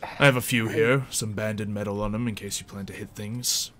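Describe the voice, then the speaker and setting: A man playing a shrewd, polite blacksmith haggling in a measured, formal way in a tabletop roleplay. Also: fairly low pitch, steady tone, fairly bright tone, lightly acted. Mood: polite, firm.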